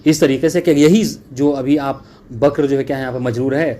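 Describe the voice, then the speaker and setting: A male religious teacher giving a classroom lecture on Arabic grammar. He reads the text slowly, then explains it in quick asides and keeps asking whether it is clear. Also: medium pitch, fairly even intonation, warm tone, a little hiss or hum. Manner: keeps checking understanding with "clear?" and "okay". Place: classroom with a student present.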